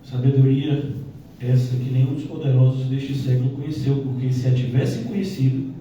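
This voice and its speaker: A man's voice: mid-range voice, normal speed, warm tone, muffled recording, a little hiss or hum. A male pastor teaching a Bible-study sermon in a conversational manner, dotted with "né?" asides. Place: church hall. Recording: echoey church hall, distant mic.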